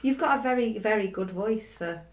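A woman with a Cheshire accent hosting a podcast, teasing her co-host warmly and laughing easily. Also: medium pitch, moderate pace. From North West England. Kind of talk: casual chat. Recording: roomy echo.

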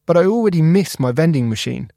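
A timid young bottle cap, soft-spoken and eager, voiced by a man. The voice sits well above a man's usual pitch and leaps around with hope and wonder. It is read dry and close. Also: expressive, fast talker, creaky, no echo. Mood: gentle.

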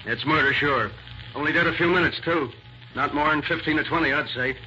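An actor playing a gruff, folksy homicide sergeant in a 1940s radio drama. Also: male voice, on the high side, fairly quick, pushed and bright. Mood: matter-of-fact. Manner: blunt, folksy tough-cop talk. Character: gruff, blustery male police homicide sergeant. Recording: muffled, very noisy 1940s radio recording.

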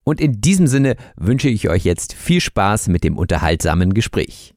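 A man hosting a podcast for language learners, introducing the episode and interviewing a guest in a clear, measured way. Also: on the low side, sing-song, a little mellow. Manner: clear, measured, teacherly delivery. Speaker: podcast host.

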